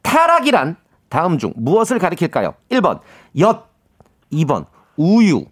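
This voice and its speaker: High, very animated male radio co-host. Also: normal speed, breathy edge. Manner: explains things, reads quiz questions. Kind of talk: radio quiz presenting.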